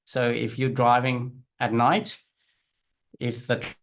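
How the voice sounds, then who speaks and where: A South African man in his forties, an interview guest and business owner, telling his story in relaxed chat with restarts and fillers. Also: medium pitch, takes it slowly, a little hiss or hum.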